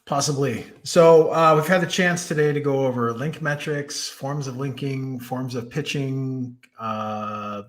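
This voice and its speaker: A man hosting an interview podcast in an easy, chatty way. His voice sits at a middle pitch and he talks in loose runs broken by fillers and restarts. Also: measured pace, few pauses. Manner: conversational, many fillers and restarts. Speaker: podcast host. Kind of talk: casual interview chat.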